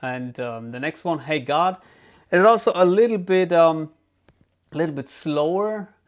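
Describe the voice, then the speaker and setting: A man with a German accent, a non-native English speaker, giving a casual album review with many pauses and fillers. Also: on the high side. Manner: relaxed, hesitant, lots of ums and restarts. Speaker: guitar channel host.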